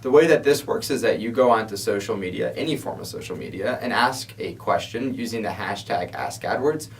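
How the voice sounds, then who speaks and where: A man with a fairly low voice, heard a little away from the microphone. He talks like a support specialist co-hosting a Q&A show, explaining step by step in informal, conversational language. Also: fairly quick, slight background noise. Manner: explanatory, informal, frequent "you know". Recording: distant mic pickup.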